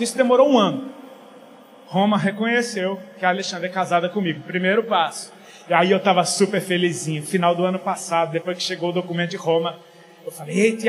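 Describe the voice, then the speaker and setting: A middle-aged man from Paraíba, Brazil, preaching a casual, joking sermon that swings from quiet to loud. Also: sits high, a little hiss or hum.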